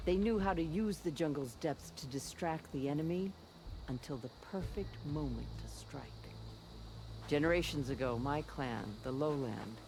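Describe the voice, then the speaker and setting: A solemn tribal chaplain over music. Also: male voice, a little high, low-quality recording. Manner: measured, solemn. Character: solemn tribal chaplain, reverent keeper of old records. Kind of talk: video game acting.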